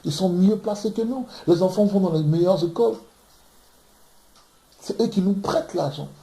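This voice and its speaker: A man from Ivory Coast, his mellow voice sitting high and touched with vocal fry, teaches the bible with passion at a moderate pace. His delivery is emphatic and often repeats words mid-search, and the London room echoes.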